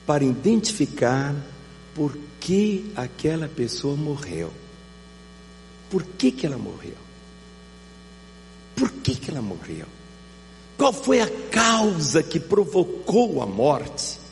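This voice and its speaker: A man with a Brazilian accent preaches a sermon in a high, gravelly voice. He presses his points by asking the same rhetorical question again and again. The sound carries a long hall reverb over a faint mains hum. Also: a little mellow. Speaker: pastor.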